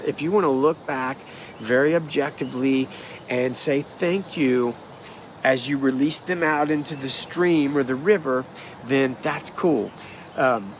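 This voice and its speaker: A man's voice: medium pitch, slight background noise. Stuffed-up, nasal middle-aged man outdoors. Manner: rambling, animated, restarts often. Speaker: spiritual healer. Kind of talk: casual vlog monologue. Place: outdoors in a wooded yard. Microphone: phone or camera at arm's length.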